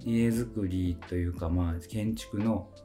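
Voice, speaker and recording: A man co-hosting a podcast as company PR, chatting casually, firm in his opinions and quick with comebacks. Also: on the low side, fairly even intonation, dark tone, soft background music. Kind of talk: relaxed casual chat.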